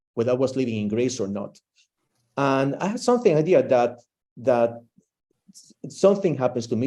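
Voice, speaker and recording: A man's dark, mellow voice at medium pitch, with ordinary pitch variation and a Spanish accent. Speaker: spiritual community member. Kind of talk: interview. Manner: halting.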